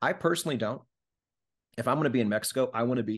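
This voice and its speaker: Very fast talk from a man with a Midwestern American accent, medium pitch and a quiet background. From US Midwest. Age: 40s. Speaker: investing YouTuber. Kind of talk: interview.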